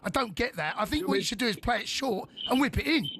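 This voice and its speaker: A man co-hosting a sports phone-in with a high voice. He rambles, stopping and restarting his points. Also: animated, fast talker, a bit bright, slight background noise. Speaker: radio show co-host.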